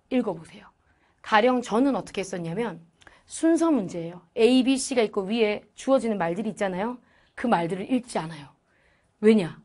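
A woman teaching an English class with a fairly high voice. She talks in a chatty, lively lecture style and keeps asking her students questions she then answers herself.

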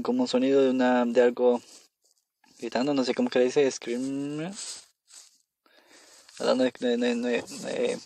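A man's voice: mid-range voice, vocal fry, mellow, dry recording. A man casually commenting as he plays a horror game on his phone, nervous, talking to himself and repeating phrases when scared. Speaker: gamer playing on a phone.

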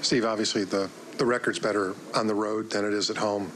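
Guy reporter rambling through a question, kinda low voice, faint hiss. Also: flat delivery, brisk. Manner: rambling, rephrases and stumbles. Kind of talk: press conference question.

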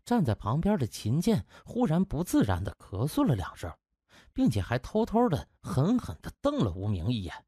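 A man's voice: on the high side, wildly swooping pitch, measured pace, a little mellow, breathy edge, no echo, clean studio sound. A man narrating a novel as an audiobook in a dramatic storytelling style.

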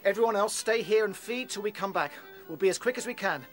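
A man's voice: high-pitched, quick pace, soft background music, lightly acted. A British man playing a young rabbit who is a caring, decisive leader in a radio drama. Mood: kindly, decisive.

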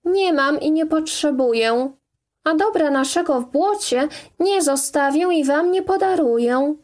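Woman playing a young outcast woman, storybook figure, defiant, high voice, slow delivery.

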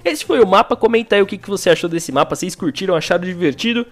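Excitable Brazilian man narrating gameplay. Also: sits high, fast talker, faint music behind. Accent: Brazilian Portuguese. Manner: excitable, exclamatory, slangy. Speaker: gaming YouTuber.

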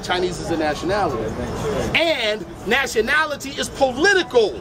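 A middle-aged man debating outdoors on a city sidewalk, speaking into a handheld mic in a measured, lecturing way that repeats its phrases. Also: high voice, big pitch swings. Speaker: street debater. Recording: noisy outdoor street recording. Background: crowd and traffic noise.

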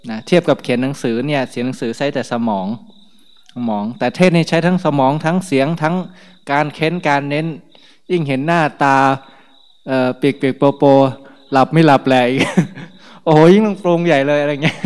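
A male monk gives an easygoing morning sermon in a conversational tone and laughs lightly between remarks. His mid-pitched voice rings out with a long hall reverb. He sounds unhurried and informal, like he is talking with his listeners. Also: clear, resonant tone. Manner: chatty and relaxed, laughs often between remarks. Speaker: Buddhist monk.

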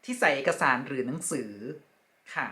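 A woman teaching French vocabulary in a slow, careful way, repeating each word twice and ending her phrases politely. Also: rumbling low, sing-song, background noise. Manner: polite, ends phrases with soft particles. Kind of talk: vocabulary lesson.

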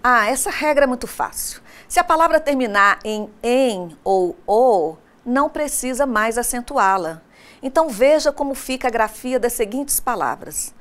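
A woman with a Brazilian Portuguese accent teaching a scripted online lesson, her voice sitting a little high. She talks straight to the students in a didactic way and keeps checking in with questions. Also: animated, moderate pace, fairly bright tone.

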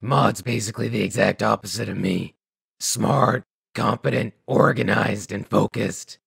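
A man voicing a weary, bitter, self-deprecating ghoul scavenger in a video game, raspy and gravelly, with grudging, halting delivery. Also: on the low side, steady tone, fairly bright tone, no echo, heavily acted. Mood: wistful. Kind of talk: video game dialogue acting.

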